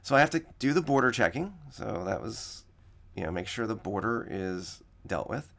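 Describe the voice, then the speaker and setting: A man with a slightly raspy voice teaching coding in a screen-recorded tutorial, explaining each step and repeating the key points. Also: lowish voice, lively intonation, normal speed, fairly bright tone.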